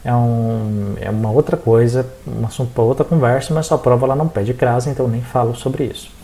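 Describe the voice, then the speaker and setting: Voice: mid-range voice, brisk. A teacher from Brazil with a Brazilian accent, giving a recorded exam-prep lesson, talking straight to the students and checking in often to see they follow. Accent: Brazilian Portuguese. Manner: animated, addresses students directly, checks in with frequent "tá?".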